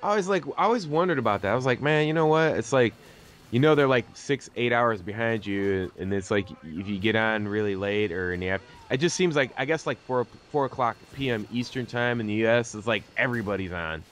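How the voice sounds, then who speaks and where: A man with a mid-pitched voice hosts a gaming commentary. He talks in a casual, slangy way and rambles as he puts questions to his guest. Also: animated, brisk, a bit bright, a little hiss or hum. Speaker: host of a gaming video series. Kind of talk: casual interview over game commentary.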